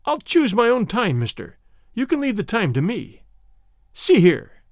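A man's voice: high-pitched, huge pitch swings, unhurried, no room sound, clean studio sound, pitched above the performer's own voice, heavily acted. A man voicing a savage, domineering young villain with a curt, sneering, threatening delivery in an audiobook. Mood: furious, threatening. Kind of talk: audiobook character acting.

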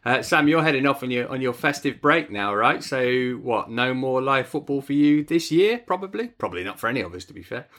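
A man's voice: mid-range voice, very animated, a little fast, few pauses, fairly bright tone. A man presenting a casual football podcast as host, chatty and lightly self-deprecating in a jokey way.

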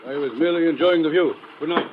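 A man's voice: on the high side, fast talker, close to an everyday voice. An actor playing a shifty, defensive fat man in a 1950s radio drama, evasive and indignant. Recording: tinny, noisy old radio recording.

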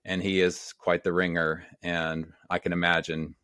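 A man's voice: sits low, level tone, moderate pace, pushed and bright, dry recording, clean studio sound. A man hosting a podcast interview, upbeat and enthusiastic as he welcomes his guest and leads the conversation. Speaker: podcast host.

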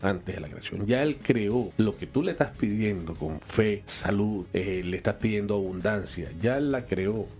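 A man's voice: lowish voice, normal speed, gravelly, hardly any pauses, a little mellow, soft background music. A man explaining religious ideas in casual conversation, in a teacherly way that leans on rhetorical questions.

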